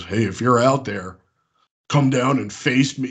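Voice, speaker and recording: In a put-on character voice, a man booms loudly at a medium pitch, with ordinary pitch variation and a fairly slow pace. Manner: booming, challenging.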